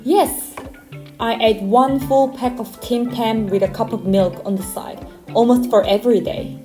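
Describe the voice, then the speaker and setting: A woman's voice: fairly high pitch, fairly even intonation, a little slow, warm tone, faint music behind. Woman, Korean accent, twenties, casual self-deprecating vlog chat, echoey room. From South Korea. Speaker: vlogger.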